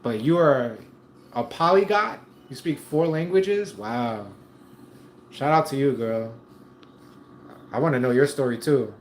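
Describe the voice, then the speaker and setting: Chatting live from his home, this man reads viewers' comments in relaxed slang, laughing a lot along the way. His mid-range voice is animated and measured, with frequent pauses. Captured on a streaming setup, the audio has room echo and a little background noise.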